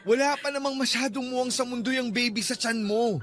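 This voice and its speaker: An irritable, defensive student boyfriend in a radio drama. His voice is very high and bright for a man, exasperated and insistent, with faint music behind. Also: fairly even intonation, brisk. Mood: insistent, persuading. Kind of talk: Tagalog radio drama acting.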